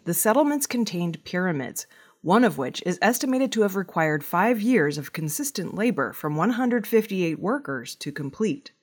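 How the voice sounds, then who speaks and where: Female newsreader, scripted bulletin, measured pace, lively pitch. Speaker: news reader. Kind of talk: scripted news reading.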